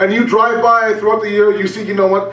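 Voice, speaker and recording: Noticeable background noise and audible room echo surround the recording. A man speaks with high pitch. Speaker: religious lecturer. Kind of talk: religious lecture.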